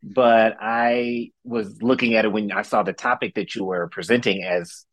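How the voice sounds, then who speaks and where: A man's voice: fairly low pitch, fairly even intonation, normal speed, dry recording. A man in his thirties chatting as a guest, easygoing and playful. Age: 30s. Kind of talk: casual chat.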